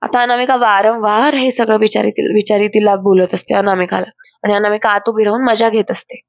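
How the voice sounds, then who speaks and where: A woman's voice: mid-range voice, fairly even intonation, a little fast, dry recording. A woman narrating a dramatic serial episode recap in an emphatic voice-over. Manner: emphatic storytelling. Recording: dull, dry voice-over.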